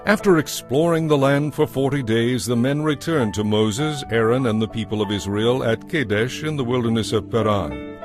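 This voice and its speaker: A man narrating a dramatized audio Bible with measured, solemn scripted delivery. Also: mid-range voice, over music.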